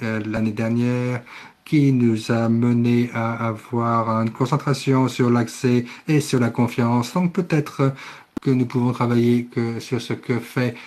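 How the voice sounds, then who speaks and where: A man interpreting a conference session live, speaking haltingly and often correcting himself. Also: medium pitch, darkish tone. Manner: halting delivery with self-corrections. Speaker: simultaneous interpreter.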